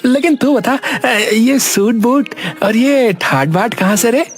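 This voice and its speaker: A man doing a gullible young cartoon fellow who talks high and keyed up, begging and marvelling at everything. His lines jump upward, excited and a little shrill. Faint music plays underneath. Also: takes it slowly, full character voice. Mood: eager. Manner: excited, pleading, high-strung. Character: naive eager jobless young man. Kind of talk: cartoon voice acting.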